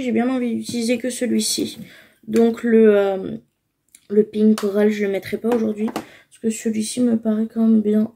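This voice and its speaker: A woman's voice: fairly high pitch, vocal fry, warm tone, husky. A young woman casually talking through her makeup routine, explaining each step with frequent fillers. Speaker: beauty vlogger.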